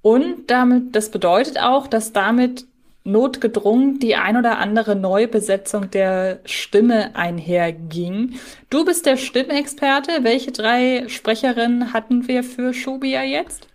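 A woman's voice: on the high side, a little slow. A woman hosting a podcast in a conversational, moderating style. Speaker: podcast host.

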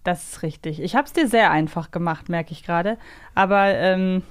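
A woman's voice: fairly low pitch, moderate pace, smooth, no echo. A woman hosting a podcast, chatting casually as she plays a quiz with a co-host. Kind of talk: casual chat.

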